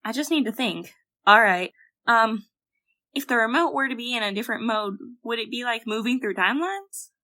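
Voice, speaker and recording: A woman's voice: fairly high pitch, expressive, normal speed, sharp tone, no room sound. A woman playing an improvising leader in an audio drama, explaining things hesitantly as she thinks under pressure. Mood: urgent, thinking.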